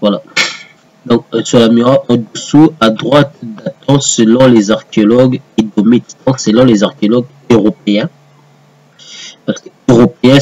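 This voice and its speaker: A man's voice: fairly low pitch, warm tone, breathy edge, dry recording, low-quality recording. A man commenting on a text he reads aloud to viewers, hesitant with many fillers and restarts. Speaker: host reading and rebutting a text. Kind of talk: casual commentary reading aloud.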